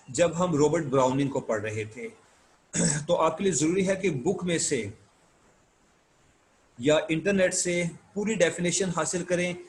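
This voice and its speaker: A man giving an online literature lecture, explaining notes step by step and reading English passages out slowly. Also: on the high side, a little hiss or hum, poor audio. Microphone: screen-share recording.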